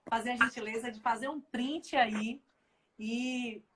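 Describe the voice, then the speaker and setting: A woman's voice: on the high side, fairly even intonation, a little slow, fairly bright tone, slight background noise. A woman hosting a live stream, effusive and exclamatory, praising her guest. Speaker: host.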